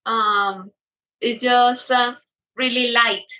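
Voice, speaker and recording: A woman's voice: fairly high pitch, fairly even intonation, very slow, bright, forceful tone, poor audio. A middle-aged woman guest speaking in a casual interview, hesitant with many fillers and restarts. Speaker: guest baker.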